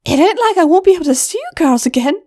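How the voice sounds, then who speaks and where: A woman's voice: very high-pitched, animated, fast talker, pitched above the performer's own voice. Brusque goblin big sister with a put-on lilt, voiced by a woman narrator. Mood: earnest. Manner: brusque, teasing, softens to whispers. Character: tough older-sister female goblin mare.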